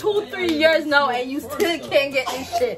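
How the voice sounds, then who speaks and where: A woman's high voice in a Jamaican accent at a very slow pace, with lively intonation and clear music in the background. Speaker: language teacher. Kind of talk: casual talk to camera. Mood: playful, lots of laughing. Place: home room. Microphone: phone near.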